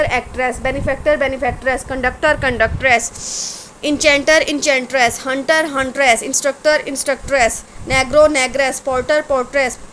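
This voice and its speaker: High-voiced woman teaching grammar. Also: a bit bright, slight background noise, poor audio. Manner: explains in Hindi-Urdu, reads English rules slowly and word lists aloud. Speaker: English teacher. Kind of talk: grammar lesson.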